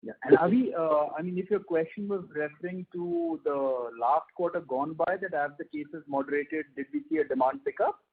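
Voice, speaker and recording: Indian exec guy, slightly high husky voice, chatty earnings call, tinny phone audio. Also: sing-song, normal speed, hardly any pauses. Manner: conversational, checks with "right?". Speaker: company executive answering analysts. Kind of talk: earnings call question and answer. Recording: muffled narrow phone conference line.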